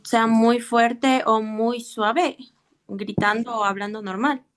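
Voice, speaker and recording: A woman's voice: a little high, steady tone, slow. A female student, answering a teacher's question in an online class.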